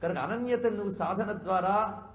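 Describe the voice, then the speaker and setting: A man giving a devotional discourse, explaining patiently and asking many rhetorical questions, sometimes gently chiding his listeners. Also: high voice, moderate pace. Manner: chiding, conversational. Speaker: spiritual speaker.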